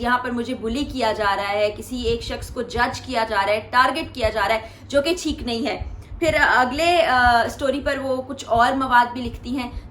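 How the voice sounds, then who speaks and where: A woman's voice: high voice, a bit bright. A woman with a Pakistani accent recapping celebrity news for viewers in an explanatory way, often paraphrasing what others said. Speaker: host commenting on celebrity news. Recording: echoey room with faint background noise.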